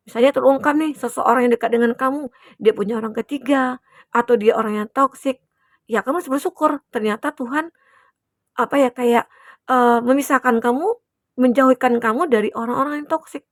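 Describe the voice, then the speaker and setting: A woman's voice: high-pitched, brisk, no room sound, studio quality. A young adult woman giving a chatty, reassuring collective tarot reading to her viewers, with many fillers. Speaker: tarot reader.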